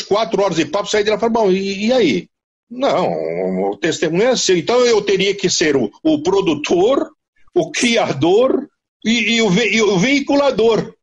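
An older Paulistano man with a husky voice set high, telling radio stories with sudden jumps in pitch. His delivery is animated and full of asides. The sound is dull and lo-fi, as from an online call. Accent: Paulistano from Mooca. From São Paulo, Brazil. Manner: animated storyteller, leaps in pitch for emphasis. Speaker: veteran radio broadcaster, guest. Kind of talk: casual storytelling interview over an online call.

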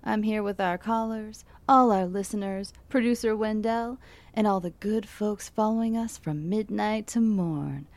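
A woman's voice: medium pitch, measured pace, darkish tone, dry recording, natural voice. A woman doing an easygoing late-night radio DJ. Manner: easygoing, reassuring, folksy. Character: calm woman radio DJ on the air. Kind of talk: radio DJ patter.

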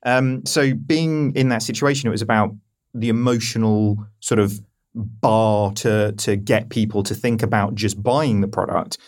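A man's voice: fairly low pitch, steady tone, measured pace. A man hosting a podcast in a casual, joking way, full of "I mean" and "like". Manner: chatty, joking, uses fillers like "I mean" and "like". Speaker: podcast host.

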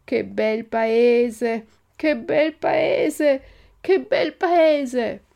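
A woman reading a storybook aloud, voicing a wooden puppet boy who is eager and easily tempted, with wistful, drawn-out exclamations. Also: mid-range voice, expressive, gravelly, pitched above the performer's own voice. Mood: dreamy.

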